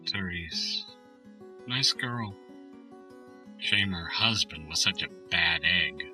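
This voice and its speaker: Store owner under questioning, guarded, sharp forward tone, a little distant from mic. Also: male voice, low voice, drawn-out words, pauses often, soft background music, full character voice. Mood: guarded, wistful. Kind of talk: audio drama acting.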